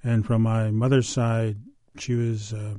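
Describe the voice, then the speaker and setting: An older man from the US Pacific Northwest speaks as a storyteller, unhurried and halting, with many pauses and fillers. His voice is low and mellow. The sound is dry and close. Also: level tone, no room sound. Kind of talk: oral storytelling and interview.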